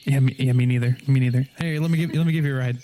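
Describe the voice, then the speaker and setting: A man's voice: mid-range voice, fairly even intonation, racing, mellow, slight background noise. A man playing a tabletop roleplaying game, improvising in-character chat in a hesitant, joking way that repeats words.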